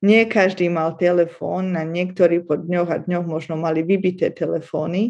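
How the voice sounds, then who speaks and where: A woman talks in a fairly low voice with a dark, mellow tone. Her intonation is monotone and flat, and her pace moderate. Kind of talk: interview.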